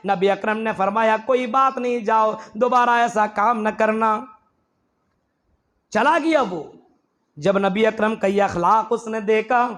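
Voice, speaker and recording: A male preacher with a notably high voice delivers a sermon in a mosque gathering. He narrates stories with emphasis and keeps repeating phrases for effect. He calls out to his listeners as his brothers. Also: fairly bright tone.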